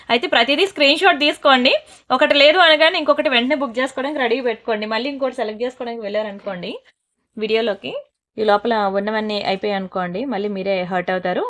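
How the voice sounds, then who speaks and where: Fast-talking woman selling jewellery. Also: on the high side, fairly bright tone. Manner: brisk, persuasive, scolding asides. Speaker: jewellery seller. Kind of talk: live sales pitch.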